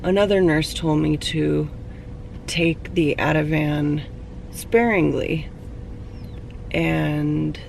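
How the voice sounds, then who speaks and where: A woman with a hoarse, fading voice, chatting candidly into a handheld camera for her vlog outdoors. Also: low-pitched, takes it slowly, long pauses, a little mellow. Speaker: vlogger. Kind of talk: casual vlog talk. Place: outdoors near traffic and parking lots. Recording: distant mic with street noise.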